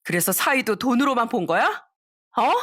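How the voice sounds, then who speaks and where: A woman voicing an angry wife who scolds her mother in sharp, accusing bursts in a storybook reading. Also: a little high, lively intonation, normal speed, dry recording, studio quality.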